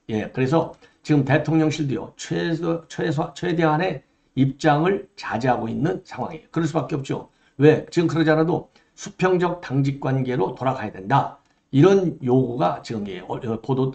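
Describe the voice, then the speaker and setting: A man's voice: mid-range voice, vocal fry, a little mellow. An older man hosting solo political commentary, emphatic, with rhetorical questions and frequent filler affirmations. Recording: dull lo-fi sound.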